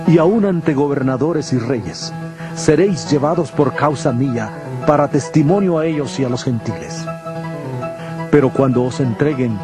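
A man acts out a solemn, authoritative holy teacher instructing his disciples. His mid-pitched voice exhorts in measured, grave phrases. The dramatized scripture reading plays over clear background music. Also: close to an everyday voice.

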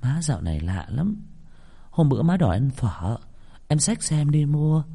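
Một người đàn ông giọng miền Nam đóng vai cô con dâu trẻ, giọng nhỏ nhẹ thủ thỉ, lo lắng. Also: male voice, a little high, sing-song, normal speed, gravelly, breathy edge, big-room sound, voice pushed up, exaggerated voice. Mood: complaining. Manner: soft, confiding. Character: young daughter-in-law, soft and worried.

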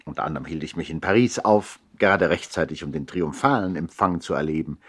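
Reflective nobleman narrator, deep voice, slightly rough, wry, measured, vintage radio drama. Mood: amused reminiscence. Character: reflective nobleman narrator recalling his eccentric brother. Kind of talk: 1960s radio play narration.

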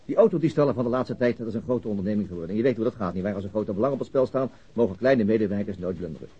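A man playing a sober, methodical police detective in a radio drama, reasoning in a deliberate, matter-of-fact way. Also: on the low side, warm tone, husky. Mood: earnest, reasoning. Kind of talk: Dutch radio drama acting. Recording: dull, lo-fi radio drama recording.

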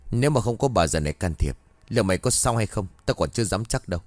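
A spiteful middle-aged aunt, voiced by a man in a spoken ghost story. She scolds in quick, harsh bursts, her pitch leaping up and down. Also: expressive, no room sound, close to an everyday voice. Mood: scornful. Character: cruel, shrill-tempered middle-aged aunt.

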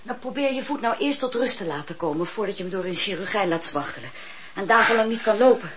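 An actress playing a fierce, principled judge's wife who turns from scorn to care in a radio play. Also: female voice, medium pitch, fast, crowd noise, lightly acted. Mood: contrite. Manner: sharp, scornful, lively. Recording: dull lo-fi radio recording with hiss.

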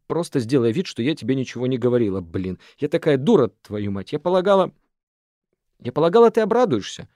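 A man's voice: mid-range voice, a little fast, dry recording, studio quality, natural voice. A man reading an audiobook, voicing an impulsive, emotional young woman who blurts things out and swears. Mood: distraught. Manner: excitable, swearing, voice rising sharply.

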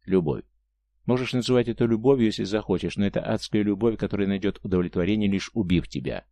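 A man voicing a grim, gruff strong young man in an audiobook. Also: on the low side, fast, dark tone, no echo, lightly acted. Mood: agitated.

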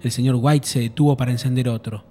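A man, a radio host, reading a horror story aloud in a measured, suspenseful way. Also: mid-range voice, fairly even intonation, warm tone.

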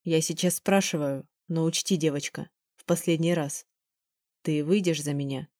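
A woman reading the lines of a young man, an insistent and passionate suitor who pleads and shouts. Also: fairly high pitch, steady tone, normal speed, no room sound, clean studio sound, close to an everyday voice. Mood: stern.

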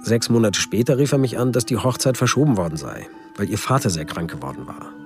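A concerned friend telling a story in a radio drama. His voice is on the low side, his delivery sober and reflective, with music clearly behind him. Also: lively intonation, fast talker. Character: male friend soberly recounting a lonely man's story.

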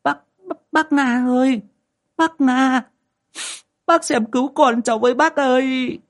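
A man's voice: extremely high pitch, fairly even intonation, measured pace, pitched above the performer's own voice. A man voicing a terrified young village mother pleading tearfully for help.

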